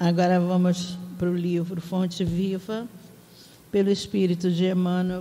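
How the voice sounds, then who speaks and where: A woman talks at a fairly slow pace in a somewhat breathy, dark and mellow voice. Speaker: spiritist study leader. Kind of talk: reading aloud. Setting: in-person public meeting.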